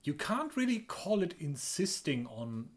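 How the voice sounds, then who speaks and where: A middle-aged man with a deep, soft voice, chatting hesitantly about a board game on a couch at home. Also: sing-song, unhurried. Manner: soft-spoken, hesitant restarts. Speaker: co-host. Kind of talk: casual board game chat. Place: living room couch, indoors.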